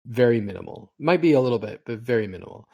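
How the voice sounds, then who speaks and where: A man's voice: medium pitch, animated, fast talker, creaky, mellow, husky, lo-fi sound. A man in his forties hosting a casual podcast chat, rambling through long stories at an easygoing clip. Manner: rambling storyteller. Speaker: podcast host.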